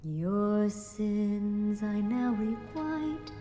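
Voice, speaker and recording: A woman's voice: mid-range voice, very slow, warm tone. A woman playing a crew member in an audio drama, singing a solemn old folk ballad. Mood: solemn, mournful. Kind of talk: slow sung ballad. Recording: long echoing reverb, music behind.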